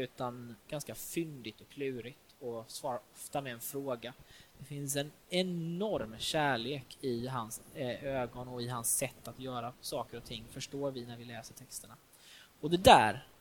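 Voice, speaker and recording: A man's voice: fairly high pitch, fairly bright tone. A man preaching a sermon in a church, talking informally with fillers and restarts.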